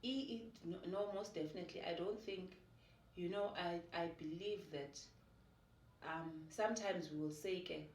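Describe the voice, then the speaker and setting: A woman in her forties with a South African Xhosa accent talks in a low voice, with a lively, animated delivery that mixes Xhosa and English. She is recorded from a little distance in an echoey room. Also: moderate pace. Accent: South African, Xhosa-speaking. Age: 40s. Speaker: podcast guest. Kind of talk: casual conversational interview.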